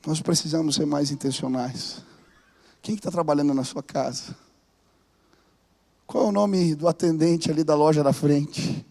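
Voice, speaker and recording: Male pastor, high voice, animated storytelling sermon turning fervent, long hall reverb. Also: moderate pace, vocal fry, long pauses. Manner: animated, rising to fervent exhortation.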